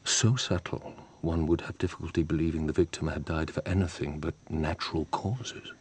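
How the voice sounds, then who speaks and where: An actor playing a suave, mysterious wealthy count who speaks in a smooth, teasing, measured way. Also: male voice, very deep voice, fairly even intonation. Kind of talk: radio drama acting.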